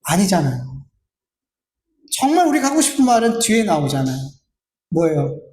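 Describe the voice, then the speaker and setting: A man's voice: high voice, big pitch swings, normal speed, a little mellow, roomy sound. A man preaching a Sunday sermon in earnest, now and then acting out pleading prayers in a raised voice. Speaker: pastor. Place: church sanctuary.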